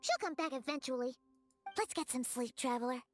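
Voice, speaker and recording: A woman as a squeaky childlike fairy sidekick. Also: brisk, natural voice. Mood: casual, grumbling. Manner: refers to self in third person, exclamatory. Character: tiny chatty childlike female fairy companion, cheeky. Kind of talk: video game character voice acting. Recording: light music behind the voice.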